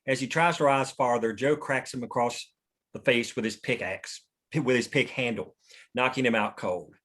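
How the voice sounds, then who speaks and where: A man's voice: medium pitch, moderate pace, fairly bright tone. Male narrator for a screenplay table read, mid-range voice, reading action lines. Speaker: narrator reading stage directions.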